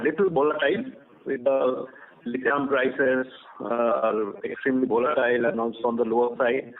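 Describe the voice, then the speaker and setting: A man answering analysts as a company executive on an earnings call, cautious, halting and formal. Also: fairly high pitch. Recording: narrow phone conference line.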